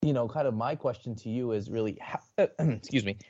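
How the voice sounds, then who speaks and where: A man's voice: medium pitch, brisk, warm tone, highs cut off. A man co-hosting a football podcast, asking long, rambling questions. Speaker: podcast co-host. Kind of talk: casual podcast interview.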